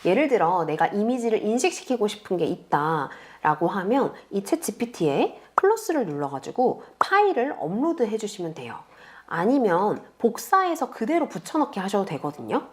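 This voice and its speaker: A woman teaching beginners step by step in a calm, patient screen tutorial, speaking close to the mic. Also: mid-range voice. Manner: patient, explains slowly to beginners. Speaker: online tutor.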